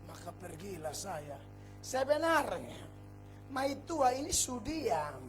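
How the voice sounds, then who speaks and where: A male pastor preaching a revival sermon, telling a personal story with hushed asides and sudden shouts. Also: sits high, takes it slowly, soft background music. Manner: animated storytelling, acts out scenes, shifts between hushed and shouting. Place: large revival meeting.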